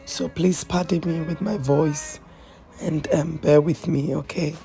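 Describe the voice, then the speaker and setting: A woman hosting a cooking video, chatty and hoarse from a flu, often checking in with "okay?". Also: low-pitched, steady tone, a little slow, warm tone, soft background music. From Ghana. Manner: chatty, repeats phrases, asks "okay?" often. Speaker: cooking channel host. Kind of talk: casual cooking tutorial.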